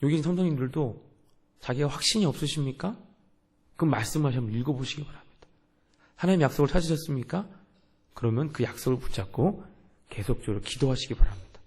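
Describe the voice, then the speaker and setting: A man's voice: mid-range voice, lively intonation, fast, pauses often, darkish tone, breathy edge. A young man, a youth pastor, preaching a sermon in an earnest way and asking the congregation questions.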